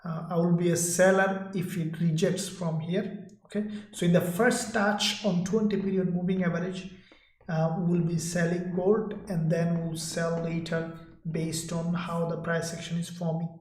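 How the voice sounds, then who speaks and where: A man from Sydney, Australia, hosting a live trading stream, talking loosely and repetitively to his viewers and reading their chat out loud. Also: fairly high pitch, level tone, unhurried, roomy sound, slight background noise.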